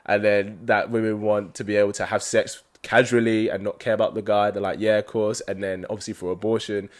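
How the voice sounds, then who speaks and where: Low-voiced, easygoing male host. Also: flat delivery, brisk. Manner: easygoing, agreeable interviewer. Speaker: podcast host. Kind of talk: casual interview chat.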